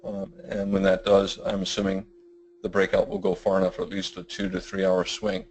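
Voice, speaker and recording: A middle-aged man with a self-described boring, monotone voice presents a trading webinar, rambling through his points with many fillers and restarts. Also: sits low, normal speed, slight background noise, poor audio. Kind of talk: webinar lecture.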